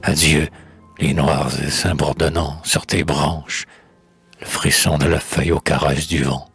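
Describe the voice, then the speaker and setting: A man with an extremely deep, husky voice gives a solemn dramatic recitation of poetry. He takes his time, shaping each phrase in a declamatory, elegiac way. Music plays clearly behind him. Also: level tone, measured pace, a bit bright, no room sound. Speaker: poetry reader.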